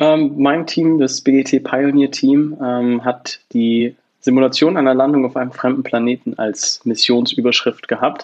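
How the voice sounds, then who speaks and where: Speaking at a fairly slow pace with hardly any pauses, a man uses an unremarkable speaking voice at medium pitch with fairly even intonation. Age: 20s. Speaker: competition organizer. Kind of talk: casual interview.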